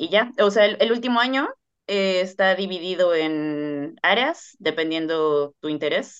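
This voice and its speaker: Fairly slow speech from a woman at a medium pitch. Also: lively intonation. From Mexico City. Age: 30s. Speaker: scientist. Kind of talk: interview.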